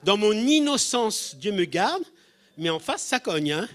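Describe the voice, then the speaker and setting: Lively storytelling man preaching. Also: high-pitched, unhurried. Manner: animated, acts out quoted voices, jumps in loudness. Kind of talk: humorous sermon storytelling.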